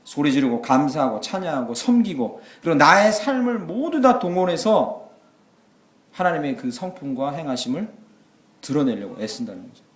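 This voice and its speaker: A man preaching a sermon as pastor, moving between quiet asides and loud exclamations. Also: on the high side, expressive, moderate pace. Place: church sanctuary. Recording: echoey church hall.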